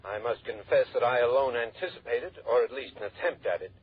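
A formal insurance executive speaks in measured, anxious phrases, as a man plays him. His voice is husky. The old radio sound is dull and muffled. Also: mid-range voice, close to an everyday voice. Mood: worried. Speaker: insurance company manager on the phone.

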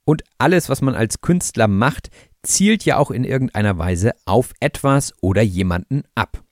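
A man hosting a language podcast, calmly and clearly explaining the meaning of words to learners. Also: medium pitch, moderate pace, no room sound, clean studio sound. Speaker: podcast host and language teacher.

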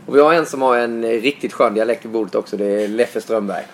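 A man from Småland with a Småland accent, hosting a casual podcast in a chatty manner. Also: medium pitch. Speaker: podcast host.

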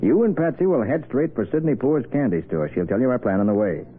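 A man's voice: medium pitch, lively intonation, fast talker, natural voice. An actor playing a tough, decisive detective in his thirties, speaking firmly in 1940s radio style. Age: 30s. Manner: firm, commanding. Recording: very noisy, tinny old radio recording.

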